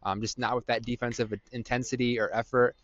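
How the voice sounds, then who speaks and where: A man co-hosting a podcast, giving measured, analytical sports talk with frequent "um" pauses. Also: medium pitch, little pitch movement. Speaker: podcast co-host. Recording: dull, dry lo-fi audio.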